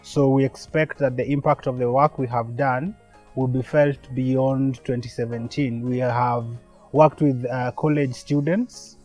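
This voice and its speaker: A man speaking in a measured, deliberate way in a documentary interview. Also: medium pitch, fairly even intonation, darkish tone. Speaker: project representative. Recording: dull lo-fi sound, music bed. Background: background music.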